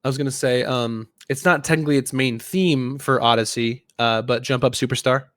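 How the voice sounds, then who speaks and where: A man's voice: mid-range voice, fairly even intonation, fairly quick, fairly bright tone, dry recording, studio quality. A man co-hosting a casual gaming podcast, chatting informally in a conversational discussion.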